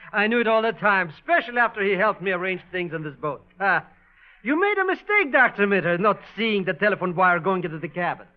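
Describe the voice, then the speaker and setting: A timid little sidekick in a 1940s radio play. His voice is very high and swoops about, flustered and full of exclamation. The old recording is dull and slightly noisy. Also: animated, fairly quick. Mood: smug. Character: excitable, timid foreign sidekick, comic and scheming.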